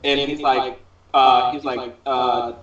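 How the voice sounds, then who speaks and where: Very echoey, muffled sound, man with a fairly high voice, halting casual storytelling. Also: flat delivery, a bit bright. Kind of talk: casual chat, rambling anecdote. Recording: muffled, very echoey, distant mic.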